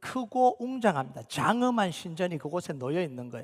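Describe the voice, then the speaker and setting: On a very clean recording with a silent background, a man is speaking. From rural South Korea. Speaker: pastor. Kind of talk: sermon. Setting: church.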